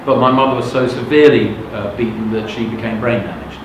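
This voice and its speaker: A man's voice: mid-range voice, fairly even intonation, fast talker. A middle-aged man from England, a native Russian speaker, telling his life story to a live audience as a motivational speaker. He talks frankly and conversationally, often checking whether listeners follow. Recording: very echoey room with background noise.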